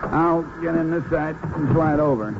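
A man's voice: on the high side, steady tone, moderate pace, vocal fry. An actor playing a friendly, folksy working-man driver who talks in clipped sentences, in 1950s radio drama style. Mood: friendly, casual. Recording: muffled, noisy old radio recording.

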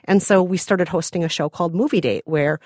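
A woman's voice: on the low side, fairly quick, a little mellow, dry recording, clean studio sound. A woman with a Minnesota accent, chatting enthusiastically as a podcast guest. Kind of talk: casual interview chat.

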